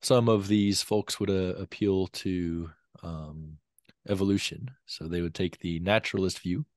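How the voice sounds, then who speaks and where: Deep-voiced man explaining on a call. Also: a little mellow, no echo, studio quality. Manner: measured, explains in steps with frequent ums. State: coughing from a lingering cough. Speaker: guest scholar. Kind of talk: explanatory interview talk. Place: home study with bookshelves. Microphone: video call with a desk mic.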